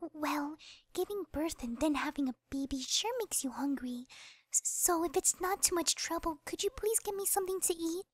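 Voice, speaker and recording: An actress playing Fluttershy, a shy, soft-spoken young mare who stammers, in a fan radio drama. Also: female voice, very high voice, normal speed, dry recording. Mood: timid.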